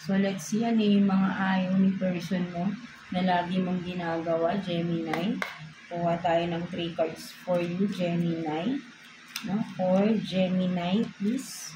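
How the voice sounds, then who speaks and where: A woman with a Filipino accent gives a relaxed tarot reading, mixing two languages and checking in with "no?" after nearly every thought. Her voice sits a little low. The recording carries a noticeable room echo with steady background noise. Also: unhurried. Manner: code-switching, frequent tag "no?". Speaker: tarot reader.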